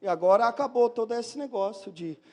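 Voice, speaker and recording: Animated pastor preaching in a big hall. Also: male voice, extremely high pitch, brisk. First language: not Portuguese. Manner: animated, acts out excuses of churchgoers. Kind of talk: sermon.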